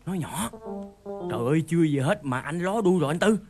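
A scheming sing-song Southern husband. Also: male voice, on the high side, expressive, fast talker, over music. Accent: Southern Vietnamese. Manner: glib, wheedling, swooping, breaks into sung lines. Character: scheming, fast-talking comic husband plotting against the wives.

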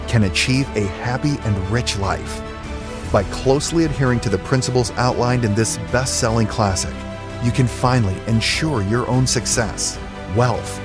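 A man reading a scripted book advertisement in a smooth promotional delivery. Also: medium pitch. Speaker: ad announcer. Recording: music bed behind.

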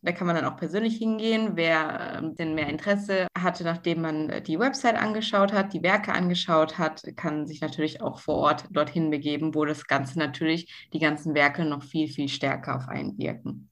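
A woman's voice: sits low, steady tone, normal speed, few pauses. A woman co-hosting a podcast, speaking enthusiastically and stressing words by repeating them. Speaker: podcast co-host. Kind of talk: casual podcast chat.

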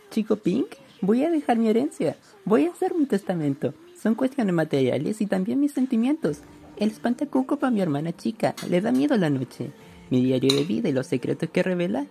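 A Chilean woman playing a melancholy, fatalistic gay teenager in a radio play, with a creaky voice. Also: mid-range voice, warm tone. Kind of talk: rhymed radio play monologue.

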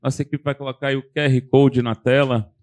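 A man co-hosting a live podcast, explaining the show's logistics and reading sponsor copy in a steady, orderly way. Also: mid-range voice, a little fast. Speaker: co-host, reads sponsor ads.

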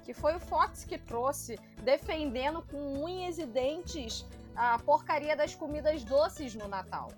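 A woman's voice: sits high, animated, slow pace, few pauses, faint music behind. A woman in her thirties co-hosting a podcast in casual, teasing chat. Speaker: podcast co-host.

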